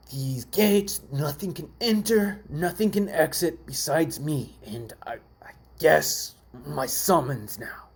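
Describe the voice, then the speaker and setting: This put-on character voice is raspy and sits at a middle pitch. It moves along at a fairly slow pace. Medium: solo performance. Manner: earnest, stammering.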